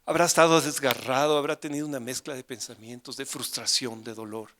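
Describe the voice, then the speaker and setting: A middle-aged male pastor preaching a sermon, acting out urgent pleas with rising intensity and then dropping to hushed, grave tones. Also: mid-range voice, steady tone, brisk.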